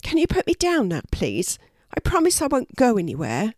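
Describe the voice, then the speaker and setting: A woman's voice: a little high, huge pitch swings, moderate pace, a little mellow, no room sound, pitched above the performer's own voice. A woman voicing a meek, apologetic male blackbird in a children's story.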